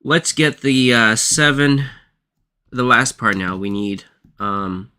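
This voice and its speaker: A sick man with a fading, hoarse voice talks slowly through math problems, thinking aloud and pausing often. His tone stays bright and forceful despite the strain, and he apologizes as he goes. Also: mid-range voice. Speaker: math tutor. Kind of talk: working textbook problems aloud.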